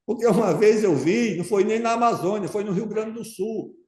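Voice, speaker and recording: Man with a mellow voice in a roomy space. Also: sits high, fairly quick. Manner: emphatic, keeps checking in with "tá certo?". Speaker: interview guest. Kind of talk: conversational interview answer. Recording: roomy echo.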